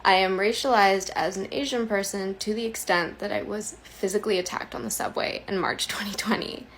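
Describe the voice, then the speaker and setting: A woman creator making a firm, measured statement straight to camera. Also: medium pitch, steady tone, fairly bright tone, slight background noise, rough recording. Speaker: social media creator.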